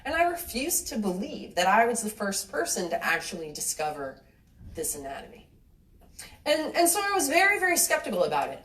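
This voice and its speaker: A woman giving a live talk to an audience, chatty and animated, acting out little quoted exchanges and laughing lightly as she talks. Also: mid-range voice, a little fast. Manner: laughs lightly mid-sentence. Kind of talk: live lecture with audience questions. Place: cinema venue with an audience. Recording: roomy hall sound from a distant mic.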